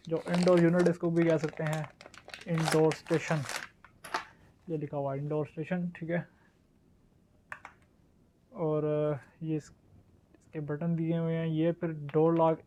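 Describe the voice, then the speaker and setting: A man's voice: on the high side, a little mellow, slight background noise. A man with a Pakistani accent narrating a casual product unboxing and demo as the presenter. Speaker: shop's product reviewer and presenter.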